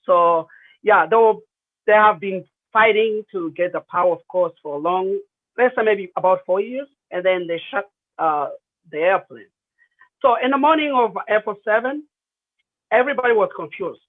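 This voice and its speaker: A man in his thirties with a Rwandan accent, giving personal testimony as an interview guest, hesitant and pausing often, over a remote call. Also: sits high, no room sound. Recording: muffled, radio-like narrow phone-quality line.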